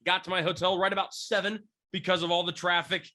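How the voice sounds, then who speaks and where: A man's voice: sits high, level tone, fast, pushed and bright. A man in his twenties, congested from a cold, hosting a casual sports podcast and rambling with lots of fillers and restarts. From Washington State, near Seattle. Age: 20s. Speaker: podcast host, sports beat writer.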